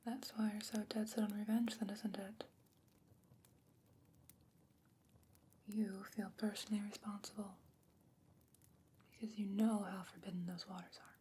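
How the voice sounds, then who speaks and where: A woman playing a concerned, candid fantasy scholar in a whispered ASMR roleplay, speaking in a deliberate, musing way. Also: medium pitch, little pitch movement, mellow, lightly acted. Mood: gently reproachful. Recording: noticeable background noise and ambience.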